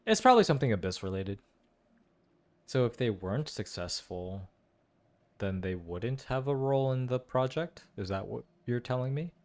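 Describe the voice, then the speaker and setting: A man with a medium-pitched voice, speaking at a moderate pace, reacts to a game's story as a gaming content creator. He's animated and exclamatory, musing aloud as he comments.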